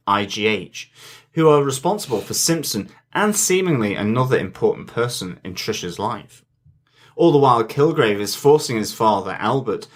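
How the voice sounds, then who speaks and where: Man, mid pitch, podcast co-host, reading a synopsis, playful. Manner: playful, puts on mock accents. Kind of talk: reading an episode synopsis, then casual chat.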